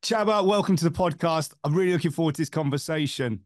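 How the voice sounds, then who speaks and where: A man's voice: on the high side, fast talker, soft background music. A man hosting a podcast, reading a polished guest introduction and then asking questions with some hesitation. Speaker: podcast host. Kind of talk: scripted intro, then casual interview.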